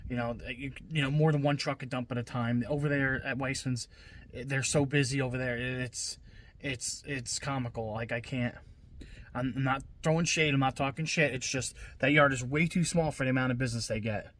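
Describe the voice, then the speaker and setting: A man's voice: mid-range voice, steady tone, normal speed, a bit bright. A man talking casually on his vlog, blunt and venting, swearing freely and restarting his sentences often. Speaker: scrap-metal vlogger. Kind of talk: casual rambling vlog talk.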